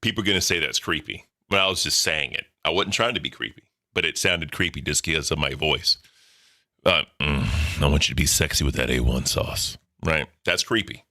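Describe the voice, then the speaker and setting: A deep-voiced man in his thirties hosting a livestream, talking casually in a blunt, profane, rambling way. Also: fairly quick, bright, forceful tone. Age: 30s. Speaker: livestream host. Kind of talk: casual chat.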